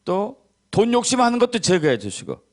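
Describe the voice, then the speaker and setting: A middle-aged male pastor preaching a sermon. He stresses key words by repeating them low, and he tells stories in which he acts out the voices of the people in them. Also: wildly swooping pitch, fairly quick.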